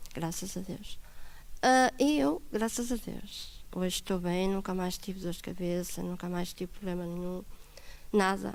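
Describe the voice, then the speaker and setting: A woman's unremarkable speaking voice, medium in pitch, with ordinary pitch variation and a fairly slow pace. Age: 60s. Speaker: church member giving testimony. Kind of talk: testimony.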